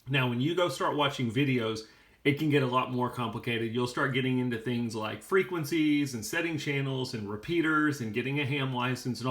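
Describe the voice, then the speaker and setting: A man's voice: medium pitch, fairly bright tone. A man explaining things step by step in a plain-spoken, casual how-to style. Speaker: how-to video host.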